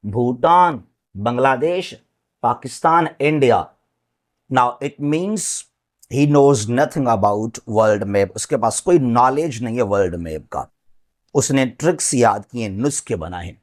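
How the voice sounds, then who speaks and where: A man teaching a geography lesson, pointing along a map and repeating country and currency names, often checking in with his class. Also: mid-range voice. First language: Sindhi.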